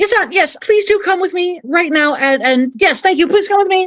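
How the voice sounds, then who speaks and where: A put-on character voice, female-sounding and squeaky, comes at an extremely high pitch. The pace is moderate, with light background noise. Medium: actual play. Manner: polite, fussy.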